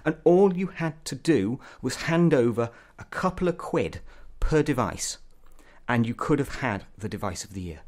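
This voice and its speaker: A man's voice: mid-range voice, animated, moderate pace, a little mellow. A man giving an opinionated, blunt product review as a tech reviewer.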